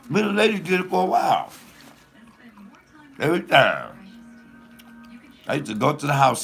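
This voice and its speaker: A man with a deep voice telling a profane, animated comic story in casual storytelling style, laughing at his own jokes. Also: gravelly. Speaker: comedian host.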